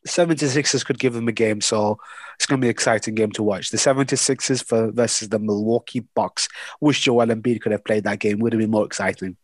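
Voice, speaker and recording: Excitable non-native English-speaking man. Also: lowish voice, fast talker, dry recording. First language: not English. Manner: excitable, joking, hesitant with fillers. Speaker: podcast co-host. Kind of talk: casual sports chat. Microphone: video call.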